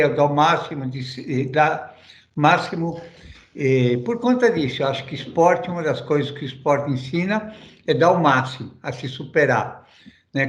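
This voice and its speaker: A middle-aged man from Argentina gives loose, rambling answers in an interview, full of fillers and restarts. His voice sits a little high, and the room around him echoes. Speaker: interview guest. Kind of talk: casual conversational interview.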